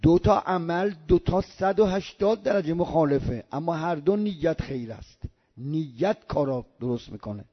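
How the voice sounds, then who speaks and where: An older man from Iran giving a religious lesson on prayer, slowly drawing out Arabic sounds as he demonstrates them. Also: fairly high pitch, expressive, highs cut off. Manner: slow drawn-out recitation of Arabic sounds. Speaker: cleric teaching prayer.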